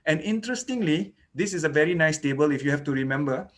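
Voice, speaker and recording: A man's voice: on the high side, animated, fast. A man whose first language is Malay, giving an online lecture on child dental care, explaining step by step with frequent "okay" and "you know". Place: indoors, online lecture recording.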